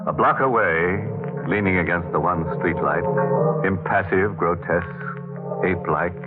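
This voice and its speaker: An actor playing a ghoulish, teasing horror host who puns with macabre glee, in a theatrical 1940s radio style. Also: male voice, sits low, measured pace. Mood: ominous. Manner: mock-friendly, teasing, punning, theatrical. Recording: muffled vintage radio, music behind.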